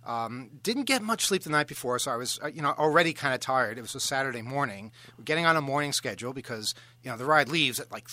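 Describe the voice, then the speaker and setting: A man hosting a radio talk show, telling a long self-deprecating story in a halting, rambling way. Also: medium pitch, animated, pushed and bright, dry recording. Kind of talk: casual on-air storytelling.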